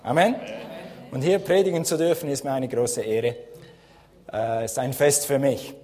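A man's voice: mid-range voice, moderate pace, a little mellow. A man from Switzerland with a Swiss accent in his Standard German, preaching a friendly, chatty sermon as a guest pastor in a church hall. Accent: Swiss German speaking Standard German. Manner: friendly, chatty, laughs often, rising emphasis. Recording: long hall reverb.

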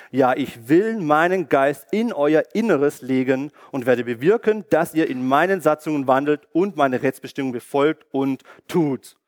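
Man preaching with fervor. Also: a little high. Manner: emphatic, rhetorical questions, bursts of excitement. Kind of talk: sermon.

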